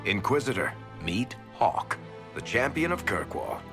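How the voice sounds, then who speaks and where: A sociable fantasy game adventurer with a lowish, very animated voice. He is wry and presents things like a smooth showman. Music plays clearly behind him. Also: slow, exaggerated voice. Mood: wry, companionable.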